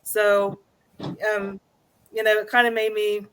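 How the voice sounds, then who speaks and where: A woman telling a personal story as an interview guest, speaking in a halting, tentative way. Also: medium pitch, little pitch movement, clear, resonant tone, low-quality recording. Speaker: guest, new paranormal investigator.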